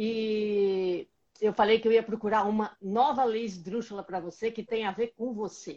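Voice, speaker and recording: A woman talks at a moderate pace with fairly even intonation and a fairly high pitch, a plain, everyday voice. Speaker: journalist, US correspondent. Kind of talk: casual chat.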